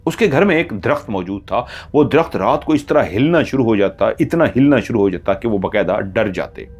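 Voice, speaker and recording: A man's voice: on the low side, lively intonation, normal speed, darkish tone, slightly rough. A man narrating a horror story in a dramatic storytelling manner.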